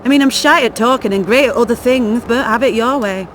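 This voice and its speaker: An actress playing a coarse, mocking brothel whore in a video game, with a blunt, foul-mouthed manner. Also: female voice, a little high, fairly quick, slight background noise, close to an everyday voice. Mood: crude, mocking. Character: crude sharp-tongued brothel whore, adult woman.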